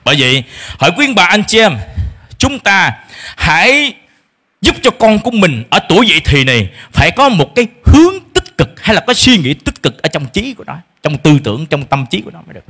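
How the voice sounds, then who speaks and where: A man's voice: fairly high pitch, very animated, fairly quick, bright, forceful tone, husky. A middle-aged man preaching a sermon as pastor, emphatic, acting out parents' complaints in a shifting voice. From Vietnam.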